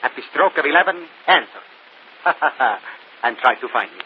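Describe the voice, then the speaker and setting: An actor playing a theatrical stage magician in an old radio drama. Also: male voice, medium pitch, lively intonation, moderate pace, close to an everyday voice. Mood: grandiose. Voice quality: grandiose, showy. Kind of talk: 1940s radio acting. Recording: dull old radio recording with hiss.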